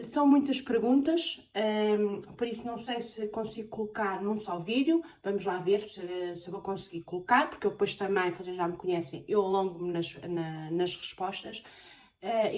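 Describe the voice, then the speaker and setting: A woman from Portugal with a European Portuguese accent, chatting casually in a question-and-answer vlog, often pausing on filler sounds. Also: medium pitch, a little mellow. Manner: hesitant, many filler sounds. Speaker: vlogger. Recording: voice a bit far from the mic.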